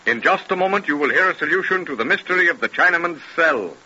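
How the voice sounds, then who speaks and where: An actor playing a dramatic mystery storyteller, formal and deliberate, in 1930s radio style. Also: male voice, a little high, expressive, highs cut off, lightly acted. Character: dramatic male mystery storyteller explaining eerie experiences. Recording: thin, noisy 1930s radio recording.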